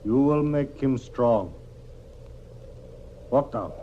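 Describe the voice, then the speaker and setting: A man's voice: mid-range voice, animated, very slow, narrow, tinny audio. An actor playing a stern, proud Native American chief and father, speaking terse, formal broken English in an old radio Western. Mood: grave, insistent. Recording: noisy old-time radio recording.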